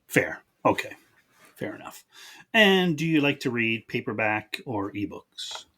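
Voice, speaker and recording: Male podcast host, casual and informal interviewer, medium pitch, husky rather than clean tone. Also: sing-song, measured pace, sharp tone.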